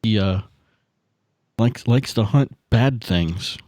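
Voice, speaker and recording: A man's voice: lowish voice, slow, darkish tone, no echo, clean studio sound. A man chatting casually as a tabletop game podcast player, hesitant and often repeating himself. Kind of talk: casual chat.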